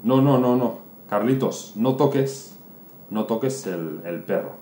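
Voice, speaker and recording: A man's voice: medium pitch, animated, slow pace, dark tone. A man voicing a worried, protective mother who scolds her son emphatically, recorded in a roomy space. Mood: scolding. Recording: roomy room, faint noise.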